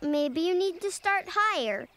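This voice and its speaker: A woman's voice: very high-pitched, expressive, unhurried, sharp tone, exaggerated voice. A female performer voicing a cheerful young bear cub in a children's cartoon, playful and encouraging. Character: cheerful young bear cub, confident little would-be teacher. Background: music.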